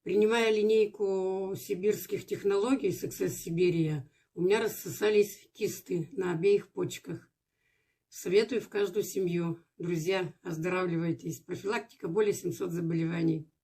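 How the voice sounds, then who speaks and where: A woman's voice: on the low side, steady tone, moderate pace, warm tone, husky. A woman in her sixties giving an upbeat testimonial. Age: 60s.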